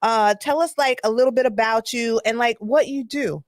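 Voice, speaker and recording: A woman's voice: fairly high pitch, normal speed, no room sound, studio quality. A woman hosting a casual talk show, chatting playfully with her guests in Southern slang. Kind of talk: casual chat.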